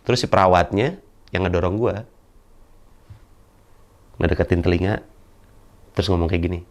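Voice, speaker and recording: Man, young adult, stand-up storytelling, animated, acts out characters. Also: normal speed. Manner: animated, acts out people with shouted high bursts. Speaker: stand-up comedian. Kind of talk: storytelling monologue.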